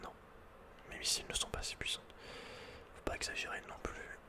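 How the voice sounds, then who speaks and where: Whispering man doing ASMR game commentary. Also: a little fast. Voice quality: breathy, unvoiced whisper. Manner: casual, slangy, playful. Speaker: ASMR video game player.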